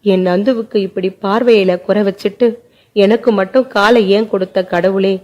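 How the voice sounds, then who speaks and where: A grief-stricken young woman speaks through tears in a spoken family story, as a woman narrator voices her. Her tone is warm and mellow at a moderate pitch. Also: steady tone, moderate pace, close to an everyday voice. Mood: despairing. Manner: tearful, despairing delivery.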